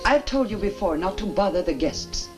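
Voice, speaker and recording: A woman's voice: medium pitch, expressive, lightly acted. Casting: woman playing coldly polite, commanding hotel keeper, vintage horror picture, very mobile intonation, prominent score behind. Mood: stern, menacing. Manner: formal, measured, coolly polite. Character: stern, controlled woman innkeeper in a horror film. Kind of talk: 1960 horror film acting. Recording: old film soundtrack with loud music.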